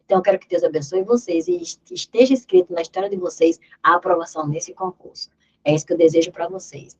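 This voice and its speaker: A woman's voice: fairly low pitch, sing-song, fast talker, darkish tone, highs cut off. Emphatic woman teacher. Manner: emphatic, repeats key words, drills terms aloud. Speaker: Portuguese teacher. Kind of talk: exam review lesson.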